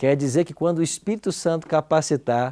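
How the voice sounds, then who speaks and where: In a very clean recording with a silent background, a man's fairly high voice shows ordinary pitch variation, the sound dry and close with no echo. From Brazil. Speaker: Bible teacher. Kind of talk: Bible teaching to a small audience. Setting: with small group of listeners. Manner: conversational, asks the audience questions.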